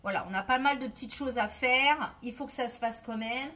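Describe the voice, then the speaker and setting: A middle-aged woman vlogs casually from indoors at home, rambling about her day with lots of hesitations. Her voice is fairly high and sharp, and she talks fairly quickly.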